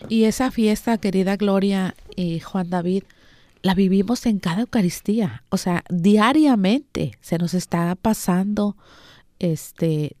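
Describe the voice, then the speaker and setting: A woman co-hosting a Catholic program, speaking gently and pastorally to listeners and adding "right?" as she goes. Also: mid-range voice, dry recording, studio quality. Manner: gentle pastoral tone, tag questions "¿verdad?". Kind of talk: devotional talk to listeners.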